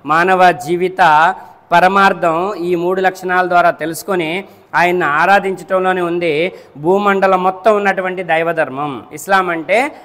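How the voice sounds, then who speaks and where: Echoing through a large hall, a man gives a Friday sermon in a high, fairly bright voice at normal speed with fairly even intonation. He asks rhetorical questions, makes sure his audience keeps up, and repeats and enumerates each point.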